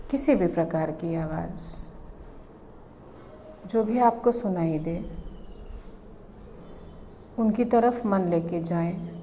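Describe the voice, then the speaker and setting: Female meditation instructor, calm and very unhurried, short phrases with long gaps, slight ambient noise. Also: fairly low pitch. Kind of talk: guided meditation.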